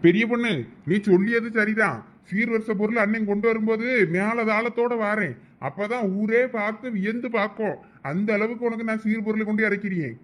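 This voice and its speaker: Cartoon elder brother acted by a man: high voice, placating and reasonable, Thoothukudi Tamil dialect. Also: brisk, lightly acted. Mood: agreeable. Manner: coaxing, reasoning. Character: placating, patient husband and generous older brother. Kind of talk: dialect cartoon family comedy dialogue.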